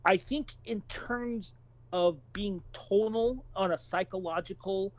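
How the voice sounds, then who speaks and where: Guy w a pretty high voice on a podcast, analytical, explains his takes in stop-start bits. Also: slow pace. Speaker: podcast co-host. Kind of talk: casual, opinionated discussion.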